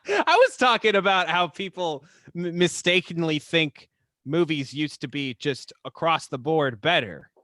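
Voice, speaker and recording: A man chatting casually as a podcast guest, often halting and correcting himself as he makes his point. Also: fairly high pitch, bright, forceful tone, dry recording. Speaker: podcast guest, writer and storyteller.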